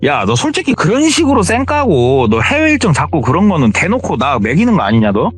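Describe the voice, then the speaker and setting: A man's voice: mid-range voice, lively intonation, moderate pace, natural voice. A man voicing a menacing, taunting young salesman. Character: ruthless young male car salesman seeking revenge.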